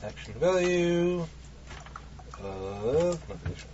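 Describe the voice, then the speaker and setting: A man's voice: fairly high pitch, very animated, slow pace. A man chatting casually as a player in a tabletop game. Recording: dull lo-fi recording with background noise.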